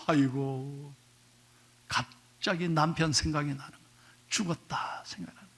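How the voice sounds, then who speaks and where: Gravelly, husky Korean male pastor preaching. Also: on the high side, normal speed. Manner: animated preacher, drops to whispers for emphasis, acts out quoted voices. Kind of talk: sermon to a congregation.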